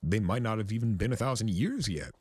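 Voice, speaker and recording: A man's voice: fairly low pitch, animated, fairly quick, darkish tone, breathy edge, no room sound, voice pushed up. A man voicing a timid, flustered male pegasus clerk in a cartoon fan story, hesitant, polite and literal. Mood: apologetic. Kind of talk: cartoon fan fiction reading.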